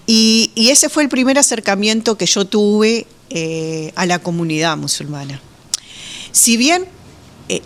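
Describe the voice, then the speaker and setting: A woman from Uruguay, raised in Argentina, with a Rioplatense accent, answering radio interview questions calmly and explaining her views with many hesitant fillers. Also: fairly low pitch. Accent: Rioplatense Spanish. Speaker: guest, Muslim women's association representative.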